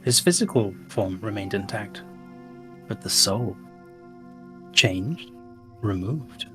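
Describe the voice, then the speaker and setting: A man in a tabletop game session tells a dark legend in character. His low voice moves slowly and dramatically, leaning into the ominous moments, with faint music underneath. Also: lively intonation. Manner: slow, dramatic, ominous storyteller delivery. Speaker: player.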